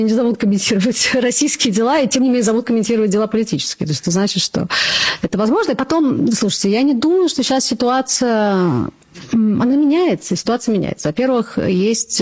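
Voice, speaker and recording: A woman journalist in her forties, from Russia, talking thoughtfully on a podcast with many pauses and fillers. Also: fairly high pitch, a little mellow. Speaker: journalist guest. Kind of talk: podcast interview.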